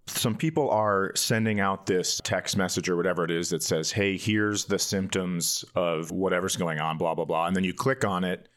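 A man with a fairly low voice, talking as a comedy podcast co-host. His delivery is casual banter, joking and self-deprecating. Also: moderate pace, hardly any pauses, a bit bright.

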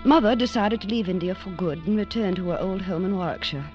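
A fast, mid-range, darkish, natural-sounding voice belongs to an actress portraying an earnest young English woman breathlessly narrating her story, wide-eyed and recounting. It's 1940s radio acting, muffled and old, with music.

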